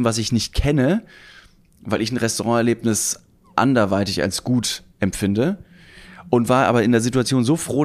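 A man co-hosting a podcast, telling a story in casual chat, enthusiastic and rambling, with many repeats. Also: mid-range voice. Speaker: podcast co-host.

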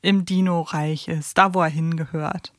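A woman's voice: low-pitched, steady tone, moderate pace, no echo, studio quality. A woman co-hosting a podcast, chatting casually as she recaps an audio play. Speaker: podcast co-host.

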